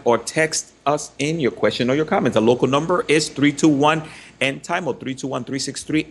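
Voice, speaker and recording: A man's voice: medium pitch, gravelly. A man from the Dominican Republic hosting a Christian radio talk show, upbeat and chatty with frequent fillers.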